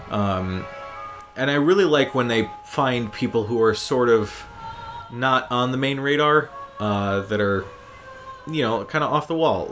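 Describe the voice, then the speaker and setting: A man's voice: on the low side, fairly bright tone. A man giving casual, explanatory commentary on a game, rambling like a fan. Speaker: gaming commentary host. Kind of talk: casual chat commentary over game cutscenes. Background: game cutscene music.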